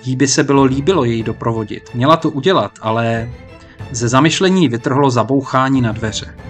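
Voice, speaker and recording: A man narrates a historical audiobook in a measured, even voice at a middle pitch. Soft music plays faintly behind him.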